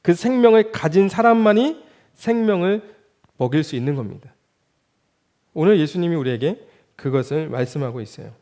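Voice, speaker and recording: In church, a junior pastor in his thirties preaches a sermon, posing rhetorical questions to the congregation while his volume rises and falls. His voice is fairly high with lively intonation, at a moderate pace with frequent pauses.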